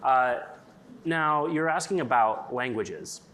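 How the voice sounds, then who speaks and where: Man, conference panelist, casual and rambling, mid-pitched. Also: slow pace, fairly bright tone, a little hiss or hum. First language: English. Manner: chatty, lots of likes and ums. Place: conference stage.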